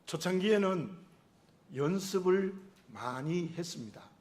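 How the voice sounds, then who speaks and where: A middle-aged male pastor with a regional Korean dialect intonation, preaching a sermon in an earnest, measured way and asking rhetorical questions. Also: sits high, lively intonation, darkish tone.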